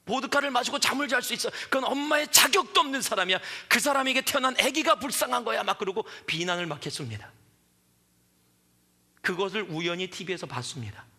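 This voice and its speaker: A pastor in his forties delivers a sermon in a church sanctuary. His voice sits high and sounds sharply bright. He brings stories to life by acting out the people he quotes, and the long hall reverb trails after his words. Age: 40s.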